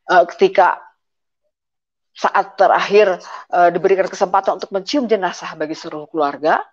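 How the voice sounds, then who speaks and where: A middle-aged woman with a fairly low voice, speaking at a moderate pace, gives her conversion testimony as a guest. She hesitates often and uses many filler sounds while recounting painful family events, and the audio is dull and lo-fi.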